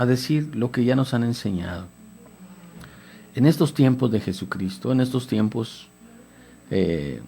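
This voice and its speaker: A man's voice: medium pitch, vocal fry. A man preaching a radio sermon, retelling a scripture story with mounting fervor. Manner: retells scripture dramatically, rising to shouts of pleading.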